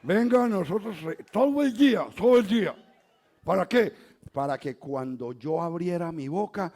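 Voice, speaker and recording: Colombian pastor preaching with dramatic swings. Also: male voice, sits high, lively intonation, moderate pace. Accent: Colombian Spanish, softened toward neutral. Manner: swings from quiet asides to loud emphatic exhortation. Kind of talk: sermon.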